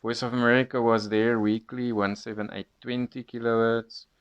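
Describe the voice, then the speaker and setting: A man giving a casual first-impressions review as a hobbyist, explaining things in a measured way. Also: medium pitch, flat delivery, clear, resonant tone. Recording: dull lo-fi sound.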